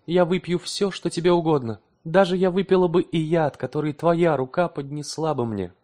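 A man voicing a devoted young wife who speaks with calm, dignified pride. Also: on the high side, normal speed, pitched above the performer's own voice, natural voice. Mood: resolute.

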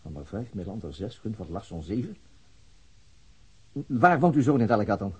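A police detective in a radio play. The voice is low and heavily rasping. He is formal and polite, yet short and persistent in questioning. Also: big pitch swings, moderate pace, mellow, muffled recording, heavily acted. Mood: grave, concentrated. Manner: terse, formal, insistent. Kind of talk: naturalistic radio drama acting.

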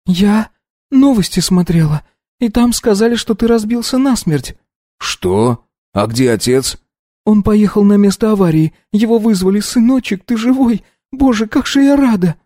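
A man's voice: lively intonation, moderate pace, warm tone, no echo, studio quality. A man putting on a tearful middle-aged mother. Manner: sobbing, pleading, high-pitched.

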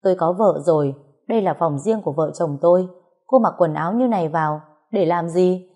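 A woman voicing a cold, aloof young husband who speaks curtly and flatly. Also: on the low side, a little fast, lightly acted. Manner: cold, curt, flat.

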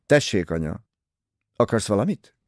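A man voicing a bitter young woman who answers curtly in a flat voice. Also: fairly low pitch, no room sound, studio quality. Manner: flat, curt.

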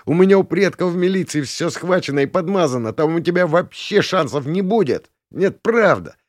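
A man's voice: a little high, lively intonation, normal speed, no echo, clean studio sound, voice pushed up, close to an everyday voice. A man voicing a drunk, arrogant, spoiled young man who talks in a brash, whiny, threatening way.

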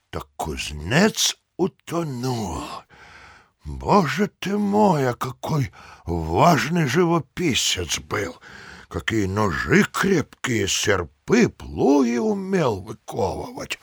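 A gravelly, husky village headman in an audio drama, recorded close and dry. He grumbles and muses very slowly, his pitch swooping wildly on exclamations. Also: wildly swooping pitch, a bit bright, no echo, exaggerated voice. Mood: musing regret. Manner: slow, musing, exclamatory. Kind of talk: audio play acting.

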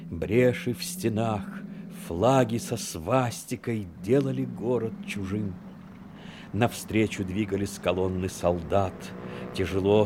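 A man narrating a literary radio drama in a grave, measured manner. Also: on the low side, noisy background. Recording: old radio play, prominent music behind.

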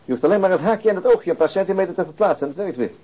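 A man's voice: high voice, lively intonation, rapid-fire, warm tone. An actor playing a big, mild-mannered, reluctant man helping a friend in a radio drama, hesitant and easygoing. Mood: practical, mild. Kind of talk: naturalistic radio drama dialogue. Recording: muffled radio drama recording.

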